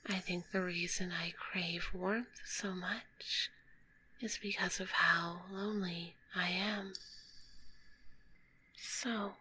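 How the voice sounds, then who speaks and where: In a gentle ASMR roleplay, a woman voices a kind, shy, sleepy spider monster using formal, polite wording and a soft breathy whisper. Her medium-pitched voice is captured close on a binaural microphone, with poor audio and faint background noise.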